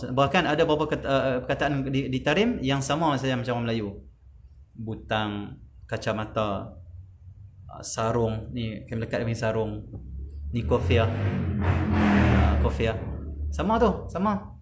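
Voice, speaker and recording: A man from Malaysia, giving a lively, emphatic religious lesson in a conversational way. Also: medium pitch, a little slow, gravelly, pauses often, soft background music. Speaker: religious teacher.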